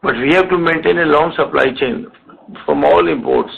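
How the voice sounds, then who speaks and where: A man with an Indian accent answering questions as a company executive on an earnings call, in a halting way with repeated words. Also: on the high side, huge pitch swings, gravelly. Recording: muffled narrow phone conference line.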